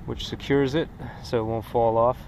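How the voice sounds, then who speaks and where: Out on the water, a man at medium pitch and moderate pace gives a relaxed, rambling tour of his kayak gear, saying "uh" often. A kayak-mounted action camera records him, picking up noisy wind and water.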